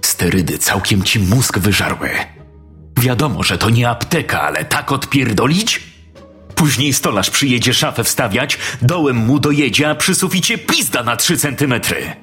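A man's voice: mid-range voice, expressive, normal speed, fairly bright tone, soft background music, pitched above the performer's own voice, close to an everyday voice. A man voicing a hulking, furious male construction boss who swears and bullies his workers with scorn. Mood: mocking.

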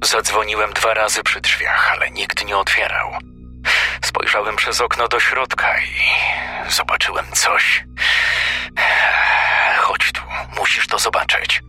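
A man voicing a tense young man who speaks in a hushed, urgent way. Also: fairly low pitch, measured pace, faint music behind.

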